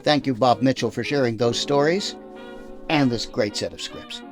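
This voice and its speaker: A man's voice: medium pitch, normal speed, soft background music. A man hosting a show, giving a scripted introduction in a theatrical presenting style. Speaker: host.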